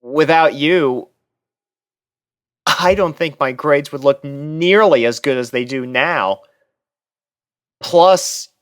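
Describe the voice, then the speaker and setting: Man acting bashful, smooth-voiced student in love. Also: fairly high pitch, dry recording, clean studio sound, voice pushed up. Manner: hesitant, sincere. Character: bashful, earnest young male student in love. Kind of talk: fan fiction audio drama dialogue.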